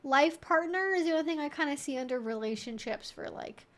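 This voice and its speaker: A woman's voice: high-pitched, expressive, fairly quick, a bit bright. A woman hosting a live Q&A stream, thinking aloud in an informal, chatty, wry and opinionated way.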